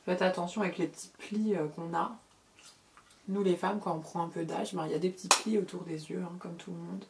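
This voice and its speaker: A middle-aged woman giving a casual makeup tutorial as a beauty vlogger, chatty, repeating words and filling pauses. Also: on the low side, fairly even intonation, vocal fry, slight background noise.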